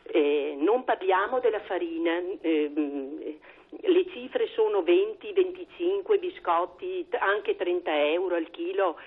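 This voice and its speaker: A woman in her sixties from Veneto, calling in over the phone to a talk show, indignant and halting with many fillers. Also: on the low side, slightly rough. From Veneto, Italy. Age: 60s. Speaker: caller. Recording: tinny phone line.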